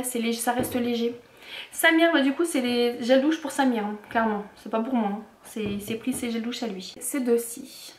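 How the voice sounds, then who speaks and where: Lady chatting through a haul, lots of euh and restarts, kinda high voice, echoey room. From France. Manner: chatty, many fillers and restarts. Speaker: vlogger. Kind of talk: casual haul vlog.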